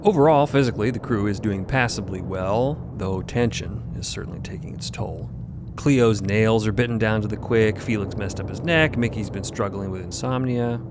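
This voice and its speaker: A man's voice: lowish voice, moderate pace, background noise. A man reading scripted narration for an audio drama as its narrator.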